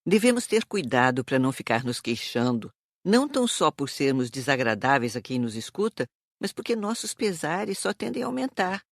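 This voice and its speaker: A woman playing a calm, serious spirit teacher in an audiobook, speaking in a measured, didactic way. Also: low voice, no echo, studio quality, heavily acted. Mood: patient. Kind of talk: audiobook dialogue.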